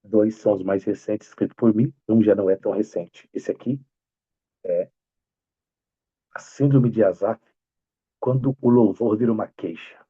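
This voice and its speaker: A man with a Brazilian accent, a pastor praying softly and then speaking to his congregation about his books over a video call. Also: on the low side, normal speed, long pauses, husky, no echo, lo-fi sound. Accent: Brazilian Portuguese. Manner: fervent soft-spoken prayer, then upbeat warm greeting. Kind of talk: prayer and sermon talk.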